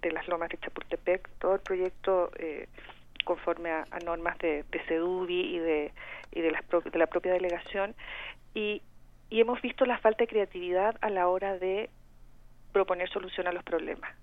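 A woman's voice: on the low side, steady tone, moderate pace. Chilean woman on a tinny phone line. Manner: earnest, hesitant restarts. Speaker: neighborhood community organizer. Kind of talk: phone-in radio discussion.

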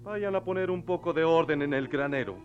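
A man playing an excitable but sensible farm overseer in a theatrical radio play, given to exclamations. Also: fairly high pitch, brisk, dull audio, music in the background, close to an everyday voice. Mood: matter-of-fact. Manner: exclamatory, swinging from matter-of-fact to loud alarm.

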